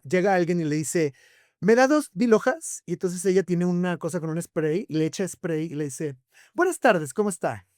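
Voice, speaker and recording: A man with a Mexican accent, a podcast guest, telling stories in a lively conversational way, full of rhetorical questions. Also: a little high, dry recording, clean studio sound. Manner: animated storyteller, rhetorical questions, frequent tag "¿no?".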